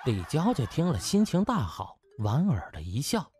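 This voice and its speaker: A man's voice: medium pitch, wildly swooping pitch, moderate pace, a little mellow, soft background music. A man narrating a comic novel as a scripted audiobook, in a dramatic storytelling style.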